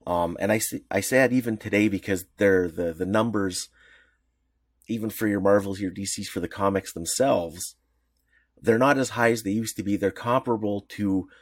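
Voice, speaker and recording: A man co-hosting a casual podcast, explaining in a rambling, halting way full of restarts. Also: fairly low pitch, no room sound, studio quality. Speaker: podcast co-host.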